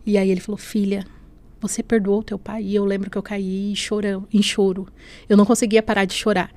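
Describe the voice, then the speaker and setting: A woman from Brazil shares her faith testimony on a podcast in an earnest, heartfelt conversational voice. She keeps checking in with her listener with little "né?" tags. Her pitch sits in the middle range for a woman. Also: flat delivery, fairly quick, darkish tone. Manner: earnest, often adds "né?" and "assim". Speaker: guest telling her testimony. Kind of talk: emotional personal testimony in a podcast interview.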